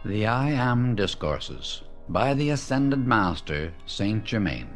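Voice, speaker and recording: A man reading a devotional book aloud as an audiobook narrator, in a measured, reverent way with long pauses. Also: on the low side, sing-song, soft background music. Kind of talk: slow, solemn reading of devotional text.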